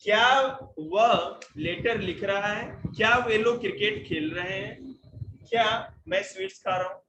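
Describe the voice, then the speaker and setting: A male teacher giving a spoken English lesson to a class, slowly explaining each example sentence in Hindi and English. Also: sits high, fairly even intonation, bright, forceful tone, reverberant, slight background noise, rough recording.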